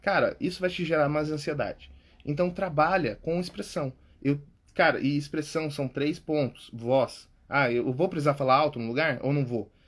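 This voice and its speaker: A man's voice: fairly high pitch, normal speed, a bit bright. A Brazilian man, a public speaking coach and podcast host, giving tips in a casual, informal way, often checking in with "tá?" and "cara". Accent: Brazilian Portuguese.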